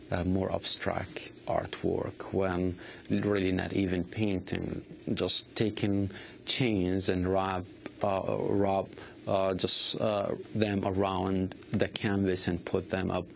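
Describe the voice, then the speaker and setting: A man answering interview questions earnestly, halting often with fillers and restarts. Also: deep voice, little pitch movement, gravelly, slight background noise. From Iraq. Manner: halting, many fillers and restarts, non-native grammar. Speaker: artist guest.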